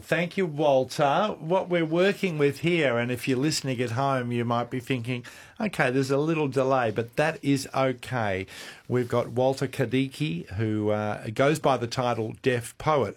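A man co-hosting the interview, steering the conversation in a friendly way and introducing the guests. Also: medium pitch. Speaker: co-host.

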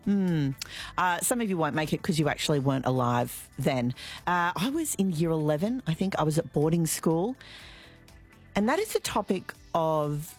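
A middle-aged woman with an Australian accent hosting live radio, chatty and relaxed, with frequent fillers. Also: low-pitched, normal speed, soft background music. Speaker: radio host. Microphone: studio microphone.

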